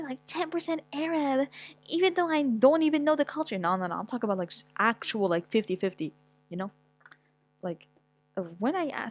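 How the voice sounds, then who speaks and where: A woman's voice: sits high, dry recording. Rambling, foul-mouthed young woman. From Morocco. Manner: rambling and blunt, heavy swearing, reacting to what she reads. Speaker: vlogger. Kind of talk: casual chat, reading aloud.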